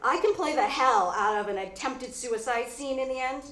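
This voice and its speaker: A high, insistent voice plays a proud young actress who keeps pushing her case, voiced by a woman. The sound is roomy and echoey. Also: moderate pace, fairly bright tone. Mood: pushy. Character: young Japanese American actress, pushy and proud. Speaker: Patty's actress. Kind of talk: staged reading of a play.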